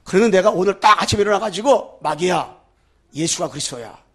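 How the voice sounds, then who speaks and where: A man preaching a sermon as pastor, fervent, shifting between loud declarations and low asides, and leading the congregation in repeating phrases after him. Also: expressive, brisk, husky. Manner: leads the congregation in call-and-repeat.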